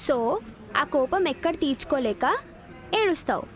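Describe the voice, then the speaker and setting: A woman's voice: high voice, expressive, moderate pace, soft background music. A woman playing a friendly coworker in a comedy sketch, teasing her friend and then giving him advice.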